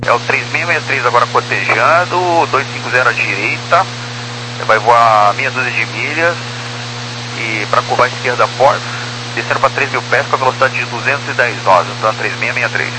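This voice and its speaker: A man's voice: medium pitch, moderate pace. A man giving procedural readbacks over a two-way aviation radio. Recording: noisy humming aircraft radio transmission.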